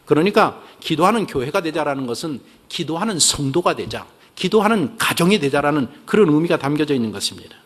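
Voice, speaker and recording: A man delivers a sermon from the pulpit in a fairly high-pitched voice. He poses rhetorical questions and has the congregation repeat short prayers after him. His delivery moves between quiet passages and emphatic pushes. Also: very animated, fairly quick, hardly any pauses. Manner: preaching with call-and-response prompts to the congregation. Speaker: pastor.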